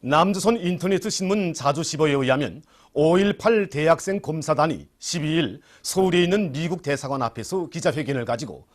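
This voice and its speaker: Slightly high North Korean newsman. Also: lively intonation, normal speed, few pauses. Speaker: television news announcer. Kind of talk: scripted state news bulletin.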